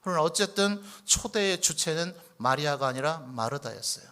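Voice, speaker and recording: A man's voice: a little high, expressive, normal speed, sharp tone. A male pastor preaching a sermon in church, asking rhetorical questions and acting out quoted lines from scripture. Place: church sanctuary.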